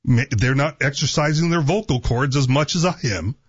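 A man's voice: medium pitch, normal speed, slightly rough, no echo, lo-fi sound. A man co-hosting a call-in talk show in casual, argumentative banter, teasing and joking crudely. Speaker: talk radio co-host.

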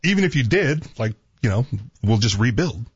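A man with a raspy voice and a lingering cough hosting a casual radio talk show, often cutting in to interrupt. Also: mid-range voice, very animated, normal speed, no echo. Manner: interrupts with repeated "wait a minute". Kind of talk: casual banter on air. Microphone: studio microphone. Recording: dull lo-fi broadcast audio.

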